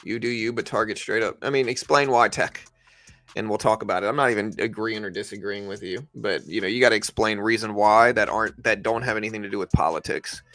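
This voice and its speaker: A man's voice: fairly low pitch, fast, a bit bright, no echo, soft background music. A man hosting a livestream, casually commenting on the stock market and explaining things conversationally as he answers viewers. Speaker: livestream host.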